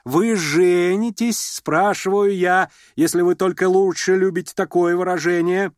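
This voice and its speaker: A man voicing an imperious, sharp-tongued middle-aged noblewoman and mother, scolding and abrupt, in an audiobook. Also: sits high, fairly even intonation, a little slow, no echo, studio quality, voice pushed up. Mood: mocking. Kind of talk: audiobook character reading.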